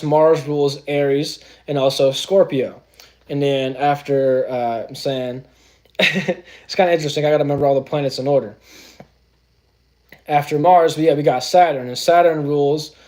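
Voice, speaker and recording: A man's voice: medium pitch, warm tone. Chatty astrology streamer man, AAVE slang. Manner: loose and chatty, keeps saying "you know what I'm saying"; drops into slang. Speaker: astrology livestream host. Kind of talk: casual livestream talk.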